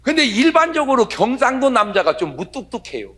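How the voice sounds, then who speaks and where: A middle-aged man preaching a revival sermon with a husky, slightly rough voice. He tells comic stories, swinging his pitch widely as he acts out the people in them. His voice sits high for a man. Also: fairly quick. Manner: animated storytelling, acts out quoted voices with dialect. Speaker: pastor.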